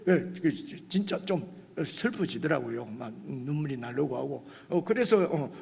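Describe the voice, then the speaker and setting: A male pastor preaching a conversational sermon, animated, with many fillers and restarts, rising to near shouts. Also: sits high. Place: church sanctuary. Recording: reverberant church hall, slightly husky.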